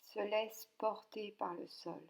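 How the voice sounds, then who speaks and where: A woman leading a guided yoga nidra relaxation, speaking calmly and softly with long pauses between short instructions. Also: medium pitch, vocal fry, rough recording. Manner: calm, soothing, with long pauses.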